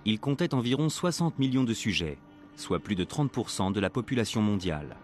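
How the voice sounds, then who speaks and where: A man narrating a documentary as its presenter, in a measured, earnest storytelling manner. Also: on the low side, sing-song. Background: background music.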